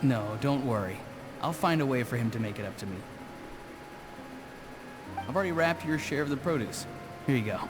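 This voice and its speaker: An actor playing an earnest, slightly odd young loner who gardens, in a video game, speaking plainly and matter-of-factly. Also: male voice, medium pitch, expressive, moderate pace, pauses often, natural voice. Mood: gentle, calm. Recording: music behind the voice.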